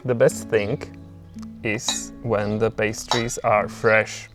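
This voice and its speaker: A man hosting a home vlog, chatting easygoing about cooking and his garden outdoors, laughing often. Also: mid-range voice. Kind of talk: relaxed home vlog chat.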